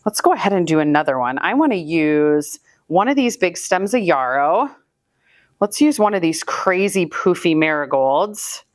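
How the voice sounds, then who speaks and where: A woman's voice: lowish voice, animated, normal speed, no room sound. A woman in her thirties from the US Midwest, talking casually to the camera while she builds bouquets, upbeat and chatty. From Northwest Iowa, US. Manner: chatty, upbeat, talks while handling flowers. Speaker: flower farmer and channel host. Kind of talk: casual how-to narration while working. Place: indoor room with flower buckets. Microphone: far camera, hands-free.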